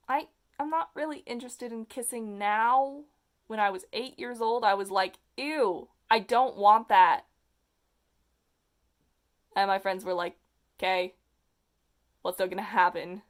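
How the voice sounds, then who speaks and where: Young vlogger with a feminine voice, comedic reading of their own childhood story, self-mocking, big outbursts. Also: female voice, mid-range voice, a little slow, long pauses.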